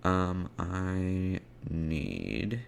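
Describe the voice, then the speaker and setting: A man presenting a casual step-by-step programming tutorial, haltingly thinking aloud as he types. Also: deep voice, sing-song. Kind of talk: casual step-by-step coding screencast narration. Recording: clear background noise, keyboard clicking and typing. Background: computer keyboard typing and clicks.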